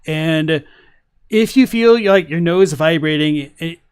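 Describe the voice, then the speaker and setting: A man with a slightly raspy voice, chatting casually and jokingly as a livestream host in a podcast style. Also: fairly high pitch, takes it slowly.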